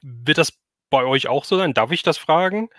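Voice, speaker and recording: Bright-voiced man hosting a casual chat. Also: a little high, expressive, moderate pace, no room sound, clean studio sound. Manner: rambling questions, frequent affirming interjections. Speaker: livestream host, interviewer.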